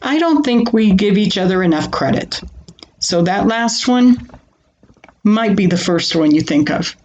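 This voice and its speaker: A woman calmly talking listeners through a grounding exercise in an informal, conversational way, using questions and personal asides. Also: mid-range voice, unhurried, highs cut off. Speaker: presenter of a self-help grounding exercise. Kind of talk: conversational self-help talk teaching a calming grounding exercise.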